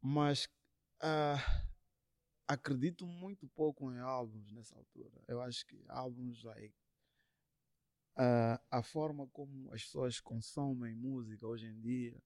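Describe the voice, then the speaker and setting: A man speaking as a musician guest in a casual interview, haltingly, repeating phrases and dropping in English slang. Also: medium pitch, steady tone, a little mellow, dry recording.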